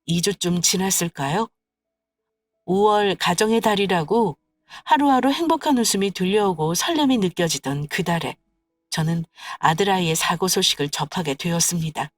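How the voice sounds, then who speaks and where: A woman narrating a scripted story in a plaintive, measured way. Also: fairly low pitch, no echo, faint music behind.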